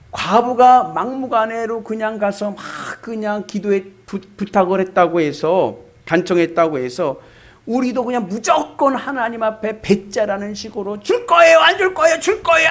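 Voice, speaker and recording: A man preaching a sermon as pastor, asking the congregation rhetorical questions. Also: high voice.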